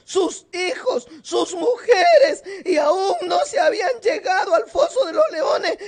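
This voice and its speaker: A woman evangelist preaching a sermon with emotion, often close to tears. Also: very high-pitched. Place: seated indoors.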